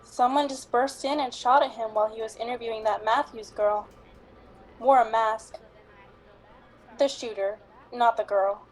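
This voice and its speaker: High-voiced, earnest woman as a grieving police officer. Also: fairly even intonation, unhurried, pauses often, lightly acted, low-quality recording. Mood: apologetic. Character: apologetic police colleague mourning a fallen officer, earnest. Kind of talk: amateur radio drama acting.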